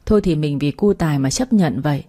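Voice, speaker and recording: A woman's voice: low-pitched, fast talker, dark tone. A woman reading a story aloud, voicing an older mother who sadly advises her daughter. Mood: sorrowful. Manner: sorrowful, coaxing.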